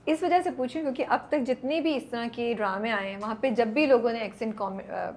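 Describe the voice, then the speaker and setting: Talkative female interviewer, fairly high voice. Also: fairly quick, darkish tone. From Pakistan. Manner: talkative, long questions mixing Urdu and English. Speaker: interviewer host. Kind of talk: casual interview.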